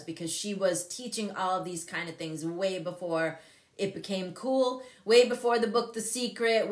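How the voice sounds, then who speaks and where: A woman in her fifties hosting a talk show, telling a personal story in a candid, animated way with frequent laughs. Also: medium pitch, echoey room. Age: 50s. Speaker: show host and company CEO. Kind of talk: casual storytelling on a live show.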